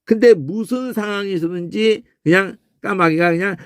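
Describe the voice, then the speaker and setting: A man teaching a Bible word-study lecture, animated, often breaking into a questioning "eh?" and imitating crow calls and shouts. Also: high voice, moderate pace, no room sound, clean studio sound.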